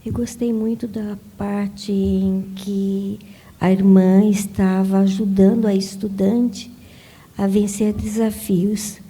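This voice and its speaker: A woman with a very dark, mellow voice shares a comment at a congregation meeting. She speaks calmly, with a flat, even pitch. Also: takes it slowly, slightly rough.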